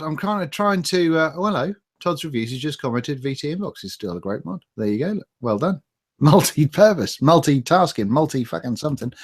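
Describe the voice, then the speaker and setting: A man with a British accent hosting a livestream in a chatty, casual, sweary way. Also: on the high side. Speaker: livestream host. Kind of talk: casual chat, reading viewer comments.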